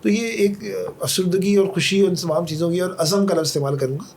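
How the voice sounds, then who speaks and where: A man's voice: high voice, fairly even intonation, a little fast, creaky, a little mellow. Reflective man recounting stories. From Karachi. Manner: thoughtful, tells anecdotes, quotes poetry. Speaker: podcast guest. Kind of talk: reflective conversational Urdu talk.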